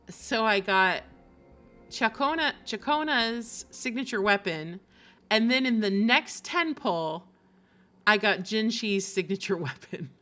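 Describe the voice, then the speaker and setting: A woman streamer talks informally about her game in a bright, forward voice at a medium pitch. She is chatty and expressive but slow-paced, with faint music underneath. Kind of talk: casual livestream chat about games.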